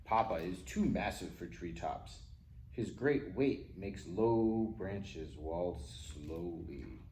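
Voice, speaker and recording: A man's voice: low-pitched, lively intonation, slow pace, darkish tone. A man reading picture books aloud to young children, with playful, chatty asides to his listeners. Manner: acts out animal sounds and exclamations. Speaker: library storytime reader. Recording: roomy echo with faint background noise.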